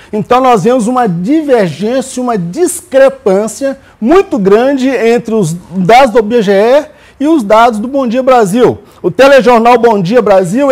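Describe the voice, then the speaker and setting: A man with a Brazilian accent delivers an academic research presentation. He speaks like a student presenter explaining to listeners, didactic and emphatic. Key points get stated and then repeated for weight. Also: very high voice.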